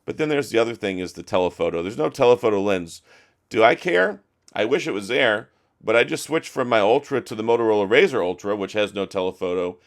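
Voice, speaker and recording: A middle-aged man with a hoarse, strained voice, chatting casually and with strong opinions as he reviews a phone to camera. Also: mid-range voice. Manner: chatty, opinionated, frequent restarts. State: hoarse, losing his voice. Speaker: tech reviewer.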